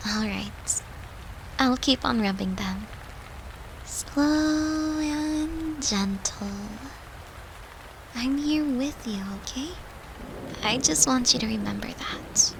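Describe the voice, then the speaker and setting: A woman playing a gentle, devoted girlfriend who soothes her lover in an intimate comfort roleplay, speaking tenderly and reassuringly in a soft, hushed voice. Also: high voice, slow, creaky, pauses often, background noise, full character voice.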